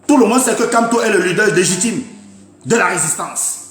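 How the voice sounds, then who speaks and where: Impassioned high-voiced man ranting. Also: expressive, brisk, a bit bright, echoey room. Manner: emphatic, repetitive, scolding. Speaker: political commentator. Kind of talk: impassioned live-stream rant.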